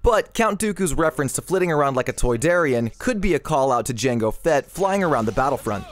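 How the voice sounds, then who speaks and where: A man's voice: medium pitch, lively intonation, a little fast. A man presenting scripted video game news commentary as the host of an online channel.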